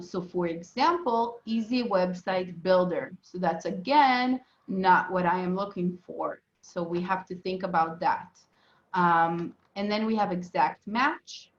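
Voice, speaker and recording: A woman with a Southern US accent teaching a live class in a casual way, with many fillers and restarts. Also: on the low side. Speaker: instructor. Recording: echoey, muffled room sound.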